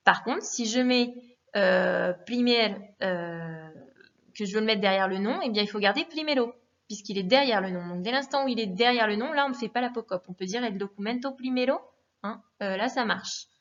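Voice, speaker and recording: A woman teaching a lesson in a patient, methodical way, repeating forms and pausing with fillers. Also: mid-range voice. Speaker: Spanish teacher. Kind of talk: recorded classroom lesson. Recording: dull lo-fi recording.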